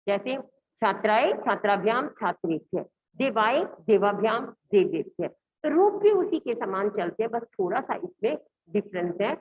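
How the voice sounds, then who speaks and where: A woman teacher giving a recorded lesson, fondly calling her pupils "beta" and reciting word forms one by one for them to repeat. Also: mid-range voice. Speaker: school Sanskrit teacher. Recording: dull lo-fi recording.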